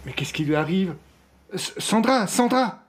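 A man's voice: a little high, normal speed, darkish tone, a little hiss or hum, lightly acted. A man playing a weary, polite amnesiac. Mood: alarmed. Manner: polite and resigned. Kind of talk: audio drama acting.

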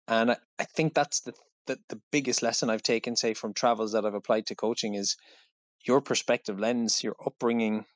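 A man's voice: on the low side, no room sound. An Irish man, a fitness coach, answering interview questions thoughtfully, with frequent restarts and asides. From Ireland. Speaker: fitness coach, podcast guest.

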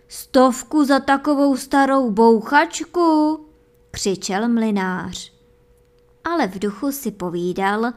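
A woman narrates a folk fairy tale for listeners young and old. Her voice sits somewhat high, and she reads with lively expression, leaning into the turns of the story. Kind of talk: fairy tale read aloud.

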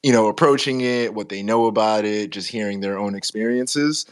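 A man's voice: fairly low pitch, moderate pace, dry recording. A young man from the United States hosting a podcast over a remote call, laid-back and slangy. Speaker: podcast host. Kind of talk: casual remote interview.

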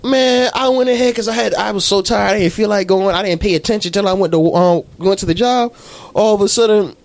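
A man's voice: sits high, brisk, creaky, dry recording. A young man co-hosting a podcast, telling rambling, profane stories in a casual chat. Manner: rambling, profane storytelling with laughs. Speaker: podcast co-host.

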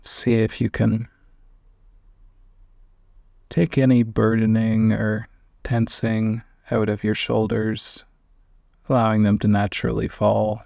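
A man leads a guided meditation at a very slow pace, leaving long gaps between short phrases. His calm voice has plenty of gravelly fry and stays level in pitch. He is heard up close, in a measured, instructional manner. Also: no echo.

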